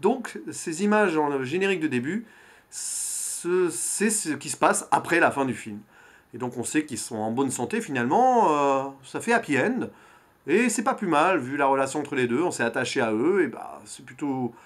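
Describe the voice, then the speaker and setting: A man speaks at a fairly slow pace and fairly high pitch. His pitch swings very widely. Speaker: film reviewer, YouTuber; film reviewer. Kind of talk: unscripted monologue to camera. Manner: halting, with stumbles and fillers. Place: home room. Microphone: phone near.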